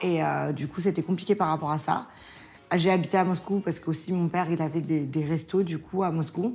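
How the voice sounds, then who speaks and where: Fairly quick speech with fairly even intonation and a somewhat breathy quality. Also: woman, fairly low pitch for a woman. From Azerbaijan (Baku), raised in Lyon, France. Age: 20s. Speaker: YouTuber. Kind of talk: casual chat. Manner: casual, laughs often.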